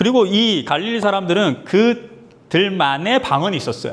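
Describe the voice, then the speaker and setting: A man is speaking. His voice is high in pitch. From Gyeongsang region, South Korea. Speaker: pastor. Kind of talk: sermon. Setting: church. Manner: hesitant fillers.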